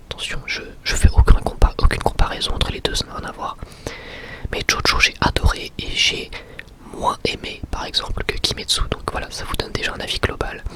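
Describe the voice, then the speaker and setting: Guy doing an asmr review, all whispered and breathy, soft and close, talks right to the viewers. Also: fairly high pitch. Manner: soft-spoken, intimate, addressing viewers directly. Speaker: ASMR video host.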